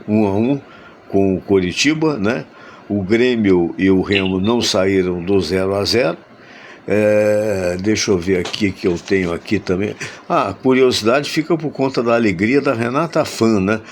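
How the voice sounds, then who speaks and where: A man's voice: fairly low pitch, measured pace, a little hiss or hum. A Brazilian man hosting a casual sports chat over a video call, nasal and stuffy from a flu shot, folksy and chatty. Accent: Brazilian Portuguese. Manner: folksy, chatty, many "né?" tags. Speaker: host.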